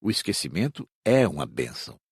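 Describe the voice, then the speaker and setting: Audiobook man as didactic teacher, husky voice with lively melody, measured phrasing, close dry recording. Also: deep voice, no room sound, full character voice. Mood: instructive, measured. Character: male spirit teacher explaining reincarnation calmly. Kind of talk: scripted audiobook narration.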